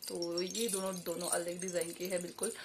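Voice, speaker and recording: A woman's voice: fairly low pitch, level tone, brisk. A young woman vlogging at home, chatty and hesitant, with many fillers and self-corrections. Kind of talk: casual show-and-tell vlog. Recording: noisy home recording. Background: jingling jewellery and bells.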